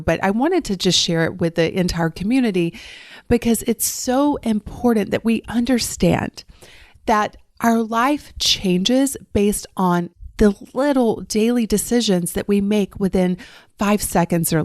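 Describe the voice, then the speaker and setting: A woman hosting her own life coaching podcast, speaking in a warm, effusive and encouraging way. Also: mid-range voice, unhurried, no echo, studio quality. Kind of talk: podcast monologue. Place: recorded while traveling abroad.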